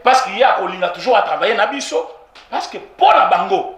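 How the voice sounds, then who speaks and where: A Congolese man with a Congolese French accent, giving an animated political opinion that mixes French with Lingala and repeats points for emphasis. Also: sits high, a little fast, reverberant. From Congo (DRC). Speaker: political commentator. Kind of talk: heated political street interview.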